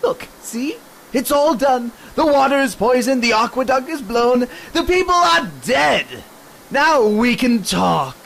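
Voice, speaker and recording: Killer clown villain: very high, slow, mocking and menacing, radio drama, noisy background. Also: male voice, expressive, gravelly, full character voice. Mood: gleeful menace. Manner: taunting, sing-song, swinging from hush to shriek. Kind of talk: superhero radio drama acting.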